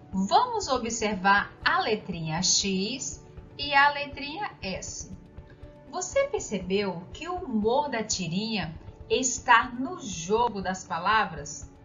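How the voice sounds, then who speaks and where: A woman teacher giving a recorded lesson, speaking slowly and clearly and putting questions to the listener. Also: medium pitch, a bit bright. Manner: slow, clear, didactic, asks the listener questions. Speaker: primary school teacher. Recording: dull lo-fi sound with faint background music.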